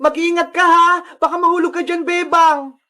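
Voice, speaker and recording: A woman voicing a bossy friend on a rescue, hurried and commanding. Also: very high-pitched, fairly even intonation, sharp tone. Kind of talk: Tagalog cartoon voice acting.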